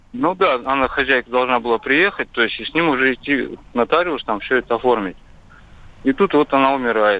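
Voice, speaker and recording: Ordinary pitch variation at a fairly quick pace. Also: man, medium pitch for a man. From Bryansk region, Russia. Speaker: caller. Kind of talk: phone-in question. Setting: phone call. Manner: halting.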